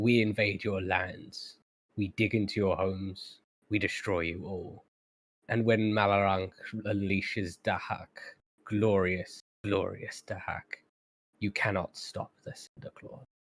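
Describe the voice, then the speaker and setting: A man puts on a guttural character voice, fairly low in pitch and monotone, moving at a fairly slow pace with long, frequent pauses. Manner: menacing, fanatical.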